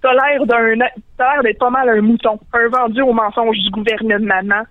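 A menacing cave creature with a hacking, croaking cough, voiced by a woman with a Quebec French accent. It is paranoid and slangy, and it threatens to eat whoever it meets. The sound comes through a tinny, dry phone line. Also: on the high side, fairly even intonation, normal speed, dry recording, lightly acted. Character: menacing conspiracy-crazed cave creature, Gollum-like.

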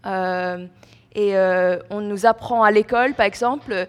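Young woman, Chinese accent, slow and hesitant church testimony, nervous. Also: mid-range voice, steady tone, clean tone. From China. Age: young adult. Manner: hesitant, many fillers and restarts. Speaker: student giving testimony.

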